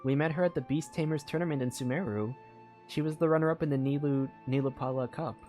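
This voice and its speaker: A man streaming a game, reacting excitedly and reading game text aloud in casual commentary. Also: a little high, fast talker. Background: faint game music.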